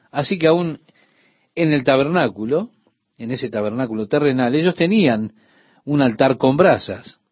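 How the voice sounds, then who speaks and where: A man's voice: medium pitch, husky, no room sound. Guy giving a radio sermon, talks right to the listener, dry muffled sound. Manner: addresses the listener directly, slows for emphasis. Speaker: radio preacher. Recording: dull dry radio recording.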